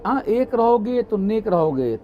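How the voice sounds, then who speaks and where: A man's voice: sits high, very animated, measured pace, muffled recording, a little hiss or hum. A man hosting a televised interview, asking pointed, provocative questions in a temple hall. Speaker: news channel interviewer. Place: temple hall with devotional music behind.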